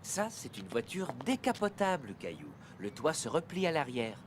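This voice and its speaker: A man voicing a patient, cheerful young father in a cartoon, gently explaining things to a child. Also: on the high side, big pitch swings, normal speed, noisy background. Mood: reassuring. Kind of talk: cartoon voice acting. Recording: music behind the voice.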